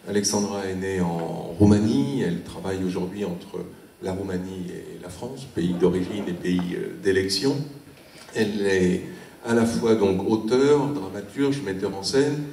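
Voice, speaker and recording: A man introducing the guest at a theatre talk in a halting way, pausing on many fillers. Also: low voice, creaky, mellow, a little hiss or hum. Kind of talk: formal introduction. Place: theatre hall. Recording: echoey room, voice from a distance.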